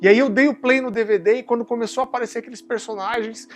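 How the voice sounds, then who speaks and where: A man with a Brazilian Portuguese accent preaching a sermon, telling warm family stories that he turns to a solemn point, often calling his listeners brother. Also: steady tone, fast talker, soft background music. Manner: drops low and soft for solemn points. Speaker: pastor.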